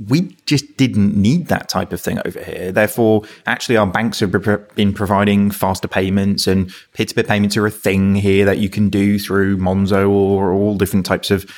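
Low-voiced male podcast host. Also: fairly even intonation, moderate pace, hardly any pauses, a little mellow. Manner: steers the talk, reads out news items. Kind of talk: casual panel chat.

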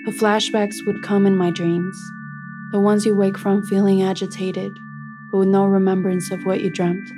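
Woman as earnest young plant spirit, storybook narration, emotive, deliberate, medium pitch, faint music behind. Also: little pitch movement, close to an everyday voice. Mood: reflective. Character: earnest, grieving young maize plant reborn as human. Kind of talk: scripted first-person story narration.

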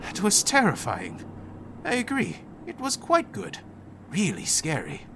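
A man's voice: sits high, huge pitch swings, unhurried, noisy background, heavily acted. A man voicing a friendly, easygoing senior researcher in a spoken story. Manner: easygoing, warm and playful.

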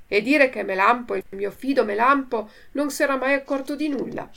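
A woman voicing a boastful grown farmer who talks loudly and sounds self-satisfied in a storybook reading. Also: high voice, moderate pace, vocal fry, voice pushed up. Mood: pleased.

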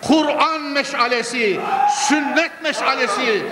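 An older man preaching fervently into a pulpit microphone, repeating phrases and rising to shouts. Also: very high voice, measured pace, heavy background noise. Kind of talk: sermon. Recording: echoey hall with loud ambience.

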